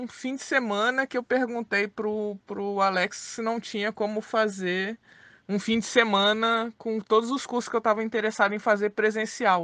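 The tone is bright and sharp, with fairly even intonation. The sound is dry and close with no echo, over a quiet background. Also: woman. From Brasília, Brazil. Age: 40s. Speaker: student of sublimation courses. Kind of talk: testimony. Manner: halting, with fillers.

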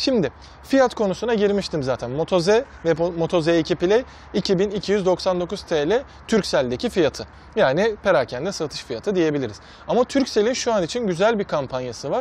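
With very wide pitch swings, a man talks at a moderate pace in a dry sound that has no echo. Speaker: tech reviewer. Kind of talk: tech commentary to camera. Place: garden. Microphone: lapel.

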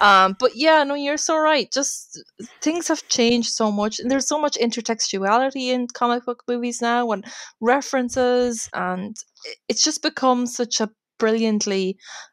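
Over a quiet background, a woman with an Irish accent speaks in a high pitch with ordinary pitch variation. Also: moderate pace. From Ireland. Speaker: pop culture academic; podcast guest. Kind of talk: casual chat; interview answer. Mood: thoughtful, engaged. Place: home room.

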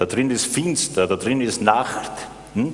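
A man at a moderate pace, with very wide pitch swings and noticeable background noise. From Styria, Austria. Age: 60s. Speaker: doctor giving lecture. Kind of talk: lecture. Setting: stage with audience at congress.

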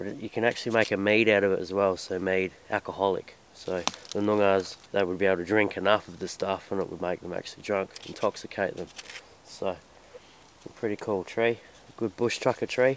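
A man with an ordinary speaking voice talks at a fairly quick pace and fairly even intonation, in a dry sound with no echo over light background noise. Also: fairly low pitch for a man. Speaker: outdoor vlogger. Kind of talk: casual vlog chat, nature explanation. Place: forest. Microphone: phone near.

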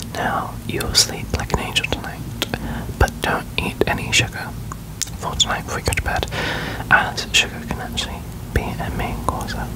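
A man speaks at a middling pace over heavy noise in the background. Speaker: presenter. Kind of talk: soft role-play skincare talk to viewer. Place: home room. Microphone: earbuds.

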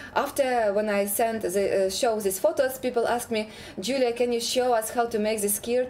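Against light background noise, a woman with a fairly high voice and ordinary pitch variation talks at a moderate pace. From Ukraine. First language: Ukrainian or Russian. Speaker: crochet designer and teacher. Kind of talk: live-streamed crochet tutorial. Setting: live stream with chat. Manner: hesitant, many fillers. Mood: warm, friendly. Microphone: webcam.

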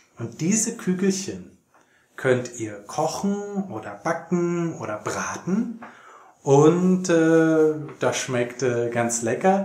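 Audible room echo surrounds a man speaking at a very slow pace. His fairly high voice makes very wide pitch swings. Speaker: German language teacher. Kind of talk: casual talk to camera, language lesson. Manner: hesitant, many filler sounds. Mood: friendly, smiling.

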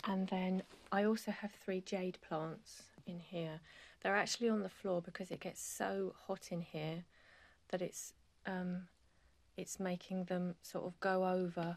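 With a British accent and a relaxed tone, a woman of medium pitch talks at a fairly slow pace in a monotone, flat intonation, leaving long, frequent pauses, in a very clean recording with a silent background. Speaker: home vlogger. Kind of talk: casual vlog tour, talking to camera. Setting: at home, indoors. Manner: chatty, relaxed, with hesitations.

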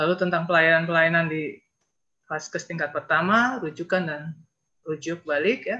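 A woman speaks at a moderate pace with a fairly low pitch and ordinary pitch variation. The background is quiet. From Indonesia. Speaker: health ministry official; presenter. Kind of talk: presentation. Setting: video call. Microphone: video call.

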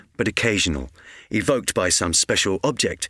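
In an English accent, a man speaks at a moderate pace with a bright, sharp tone and lively intonation, the sound dry and close with no echo. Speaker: audiobook narrator. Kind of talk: audiobook reading of classic fiction. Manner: dynamic, exciting pace.

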